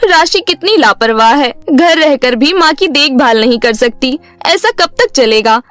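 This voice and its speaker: A woman voicing an earnest, hard-working young village daughter in an animated bedtime story. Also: high-pitched, measured pace, dry recording, faint music behind. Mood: scolding, upset. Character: hard-working, caring young village daughter, scolding her lazy sister.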